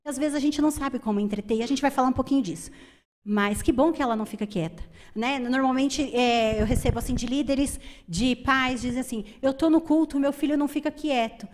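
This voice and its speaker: A woman giving a lively, emphatic church talk to women, often asking her listeners questions. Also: fairly high pitch, fairly quick. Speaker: women's ministry speaker.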